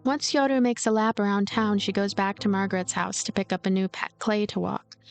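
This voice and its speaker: A woman's voice: medium pitch, brisk. A woman reading story narration aloud from a visual novel as a let's player. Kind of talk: expressive scripted narration. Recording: music behind the voice. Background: game music.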